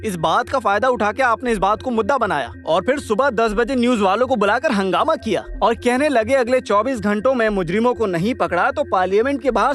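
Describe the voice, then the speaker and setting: An actor playing a sarcastic, confident police officer in a Hindi film dub. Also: male voice, high-pitched, a bit bright. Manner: mocking and confident. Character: cocky sarcastic male police officer, young adult.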